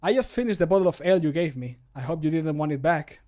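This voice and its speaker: A man's voice: on the high side, expressive, fast talker, dark tone, lightly acted. A man voicing a cheery, quirky ale-loving fantasy game character in a whimsical, sing-song manner. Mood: sheepish. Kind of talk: fantasy video game voice lines.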